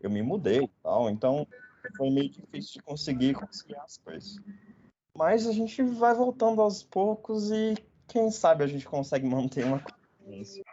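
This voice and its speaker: Slightly high and dark in tone, the voice of this young podcast host from northern Paraná, Brazil, rises and falls widely at normal speed. The audio is dull with slight background noise. He's in his twenties, joking around casually and often ending lines with "né?"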